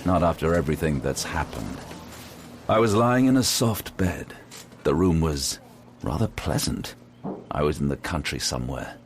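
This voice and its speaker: Low voiced brooding detective guy, horror audio drama, very varied intonation, noisy atmosphere behind. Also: expressive, normal speed. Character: grim detective hero, captive, wary and defiant. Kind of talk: audio drama acting with first-person narration.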